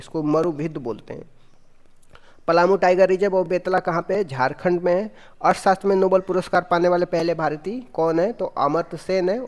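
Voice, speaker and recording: A man with a somewhat high voice runs an exam-prep quiz lesson. He asks each question and answers it himself. His voice carries a long hall reverb. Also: darkish tone. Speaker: teacher.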